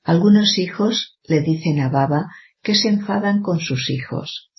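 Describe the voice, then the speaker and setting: Measured reader of a sermon, dull lo-fi sound. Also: medium pitch. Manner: measured, even, addresses listeners as children. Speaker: reader of a spiritual discourse. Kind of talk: formal scripted reading of a sermon.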